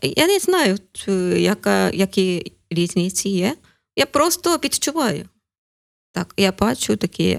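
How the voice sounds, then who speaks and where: A woman speaks very slowly with a Korean accent. The sound is dry and close, with no echo. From South Korea, Busan. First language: Korean (speaking Ukrainian). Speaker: language teacher and food blogger. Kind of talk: interview. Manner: halting.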